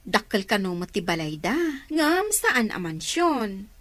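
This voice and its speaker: A woman playing a gently advising aunt in an Ilocano audio drama. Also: medium pitch, big pitch swings, a little slow, dry recording. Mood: gently teasing.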